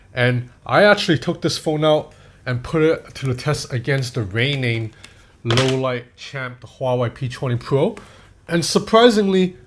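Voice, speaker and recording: A man in his thirties from Hong Kong, giving a casual, candid phone review that drifts into personal asides and loose swearing. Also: mid-range voice. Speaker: tech reviewer.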